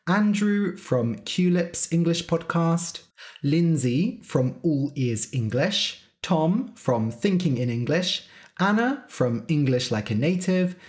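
Lively, careful podcast host for learners. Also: mid-range voice. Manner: spells out web addresses letter by letter; careful and deliberate. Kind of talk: slow, clear podcast talk for English learners.

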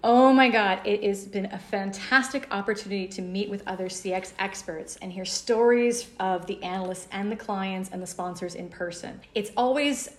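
An American woman speaks with a polished, effusive warmth about the event. Her voice sits at a middle pitch. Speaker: analyst relations professional. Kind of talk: conference interview answer.

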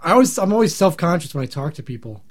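A slightly hoarse man with a scratchy throat, chatting casually on a podcast. His voice sits a bit high for a man and moves a lot in pitch. He rambles and jokes, and he clears his throat often. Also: very animated, fast talker. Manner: rambling, joking. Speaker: podcast co-host. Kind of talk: casual chat.

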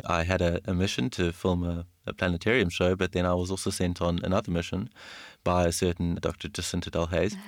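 A man co-hosting an astronomy podcast, relaxed and chatty, laughing often at himself. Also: low voice, no room sound, studio quality. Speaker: podcast co-host, science engagement astronomer. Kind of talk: casual chat.

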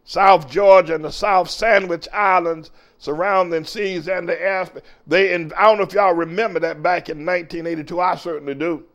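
A man's voice: sits high, steady tone, moderate pace, few pauses. An older American man preaching a fiery political sermon as a show host, emphatic and declamatory. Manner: emphatic, declamatory, swinging from shouts to muttered asides.

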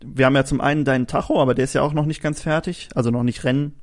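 A man hosting a casual chat, talking quickly and loosely with many fillers. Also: medium pitch, fairly even intonation. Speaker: host.

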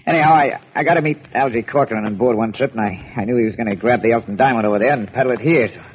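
An actor playing a beaten-up, shifty card sharp with an American accent, in 1940s radio-drama style and a stammering way of talking. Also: male voice, mid-range voice, rapid-fire, husky, long reverb tail. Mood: wary. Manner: nervous, stammering. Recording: dull old radio recording.

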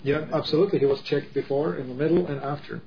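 A man's voice: on the high side, fairly even intonation, quick pace, gravelly, crowd noise. A middle-aged man from the Czech Republic, talking in an earnest, emphatic way with many restarts in a casual discussion. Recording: dull lo-fi audio with faint noise.

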